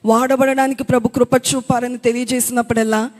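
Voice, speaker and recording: A woman's voice: a little high, little pitch movement, brisk, a little mellow. A woman earnestly telling her testimony at a church youth event. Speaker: speaker giving testimony. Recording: long hall reverb.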